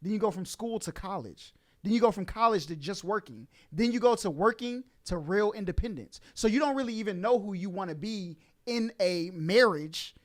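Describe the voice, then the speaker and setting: A man's voice: sits high, animated, moderate pace, hardly any pauses. A man co-hosting a podcast, making a reasoned point step by step in casual chat.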